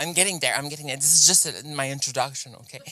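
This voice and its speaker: A woman with a French Canadian accent speaks at a very deep, low pitch. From Quebec, Canada. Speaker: cartoonist and author. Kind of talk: author talk to library audience. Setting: stage with audience in library. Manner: hesitant, many fillers and restarts; playful, joking.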